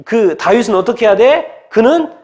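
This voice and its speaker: A man's voice: high-pitched, lively intonation, moderate pace, vocal fry. A male preacher voicing an angry older king who berates his son. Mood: raging. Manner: shouting and scolding. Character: furious older king, a raging father.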